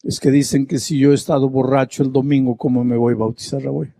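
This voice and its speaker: A male preacher voicing a broken, grieving middle-aged man who speaks in a quiet, halting, mournful way. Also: mid-range voice, little pitch movement, creaky, dry recording, studio quality, close to an everyday voice.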